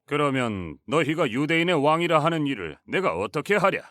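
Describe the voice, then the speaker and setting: A male actor voices an ancient figure of authority in a Bible drama. The delivery is theatrical and declamatory, with a highly animated pitch. The sound is very dry. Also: normal speed, no echo. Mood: questioning. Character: ancient governor, soldiers and crowd at a trial, theatrical.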